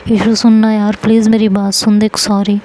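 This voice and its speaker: A woman voicing a schoolgirl friend who keeps begging others to calm down and apologizes. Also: mid-range voice, moderate pace, a little hiss or hum, natural voice, poor audio. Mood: pleading. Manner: pleading, placating. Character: pleading peacemaking schoolgirl friend Srishti.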